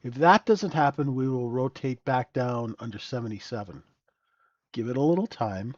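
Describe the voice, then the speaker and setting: A man's voice: medium pitch, animated, moderate pace, darkish tone, dry recording, dull audio. A man hosting a live trading room, talking through the chart with a stuffy, nasal voice and sniffling, keeps asking "right?".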